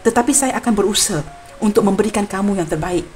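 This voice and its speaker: Young Malaysian woman, Malaysian Malay accent, mid-pitched, earnest tarot reader addressing her audience, faint music underneath. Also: fast. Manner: earnest and apologetic, addresses viewers warmly as friends. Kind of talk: tarot reading monologue to viewers.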